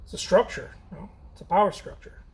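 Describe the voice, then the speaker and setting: A man's voice: high voice, fast talker. A man chatting casually while he paints on a livestream, rambling, repeating his phrases and swearing now and then. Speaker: painter streaming a demo.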